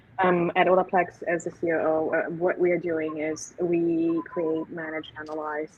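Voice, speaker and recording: With a German accent, a woman speaks at a fairly low pitch in a flat monotone, hardly pausing, over noticeable background noise. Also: moderate pace. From Germany. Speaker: startup executive, panelist. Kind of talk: panel discussion introduction.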